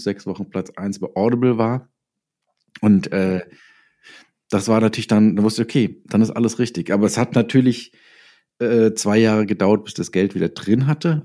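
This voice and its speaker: Man, low pitch, very soft mellow tone, conversational interview guest, anecdotal storyteller. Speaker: interview guest, writer and audio drama producer.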